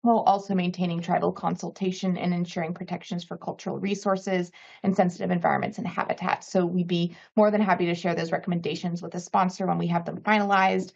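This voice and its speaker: A woman's voice: lowish voice, little pitch movement, fast talker, creaky, hardly any pauses, darkish tone, husky, muffled recording. A woman testifying for an advocacy group at a hearing, reading polished prepared remarks. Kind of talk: public testimony.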